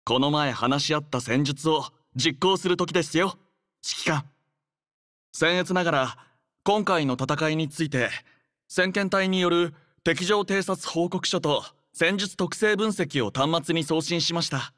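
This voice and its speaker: A man voicing a courteous, earnest young android soldier in an anime game, speaking in a polite, formal, measured manner. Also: a little high, a bit bright, dry recording, studio quality. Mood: polite, composed. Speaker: game character voice. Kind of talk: scripted anime game voice lines.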